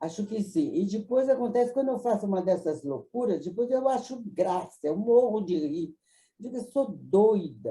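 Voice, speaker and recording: A woman's fairly high, somewhat breathy voice with a dark, mellow tone, lively intonation and a moderate pace. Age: 90s. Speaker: playwright. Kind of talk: casual chat.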